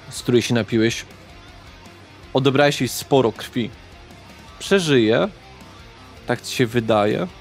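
A man narrating a tabletop horror roleplaying game as game master, in a deliberate manner with dramatic pauses. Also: medium pitch. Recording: background guitar music.

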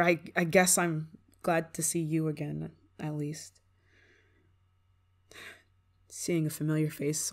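A woman playing a prickly, homesick young performer in an ASMR roleplay, grudging in manner but secretly fond of an old friend. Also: deep voice. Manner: tsundere, grudging, sighing, secretly affectionate. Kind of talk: ASMR roleplay, acted monologue to listener.

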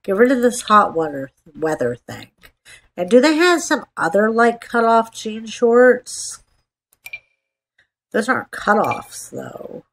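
A woman's voice: on the high side, big pitch swings, takes it slowly. A woman with a slightly congested nasal voice giving casual, playful gameplay commentary, chatting to herself and repeating phrases. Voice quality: stuffed-up, congested nasal sound. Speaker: gaming video host. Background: voice-over for a screen-recorded game.

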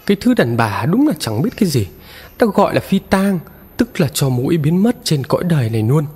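A man playing a furious, yelling village husband. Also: fairly high pitch, very animated, fairly quick, slightly rough, exaggerated voice. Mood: angry yelling. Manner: yelling, harsh, scolding. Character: angry brutal rural husband, middle-aged. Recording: long reverb.

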